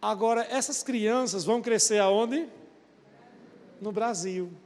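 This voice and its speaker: A man's voice: high voice, takes it slowly, a little mellow. A male pastor preaching a sermon, putting rhetorical questions to the congregation. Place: church. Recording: long church-hall reverb.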